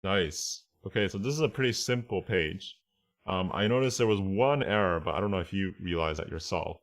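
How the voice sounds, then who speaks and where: A man's voice: sits low, normal speed. A man giving a casual online language lesson as the teacher, thinking aloud and often checking that listeners follow.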